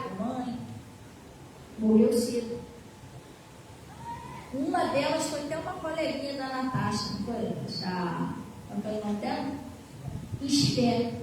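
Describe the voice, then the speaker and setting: A woman pastor preaches a sermon in a church hall, telling a story emphatically and turning to address the congregation. Her voice sits high with a darkish tone. It's recorded from far off in the echoey hall, with faint noise.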